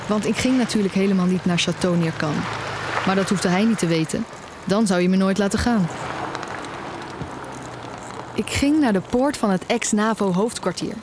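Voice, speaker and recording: A woman's voice: mid-range voice, normal speed, long pauses, background noise, natural voice. An actress playing an anxious, stubborn young woman, a student, narrating and talking in an audio drama in an intimate way. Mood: brooding, uneasy. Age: young adult. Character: anxious, stubborn young female music student, nearly blind.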